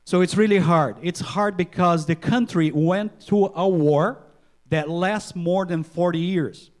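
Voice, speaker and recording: A middle-aged man with a Portuguese-speaking accent, a missionary doctor giving an earnest church presentation with halting restarts and repeated words. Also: high voice, darkish tone. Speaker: missionary physician.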